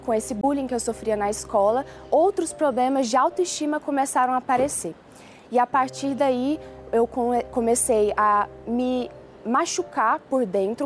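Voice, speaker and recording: A woman's voice: high-pitched, moderate pace, faint music behind. Young woman giving earnest testimony. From Switzerland. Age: 20s. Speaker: testimony giver. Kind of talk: personal testimony.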